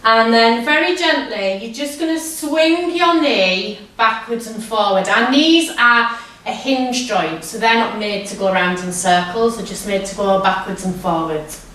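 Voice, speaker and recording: A woman drama teacher guiding a physical warm-up step by step, with simple, repeated, encouraging instructions. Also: a little high, unhurried, slight background noise. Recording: echoey room, distant microphone.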